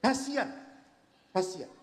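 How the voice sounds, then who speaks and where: A male Catholic priest giving a humorous seminar talk, an animated storyteller who acts out voices and jokes with his audience. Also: normal speed. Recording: reverberant hall.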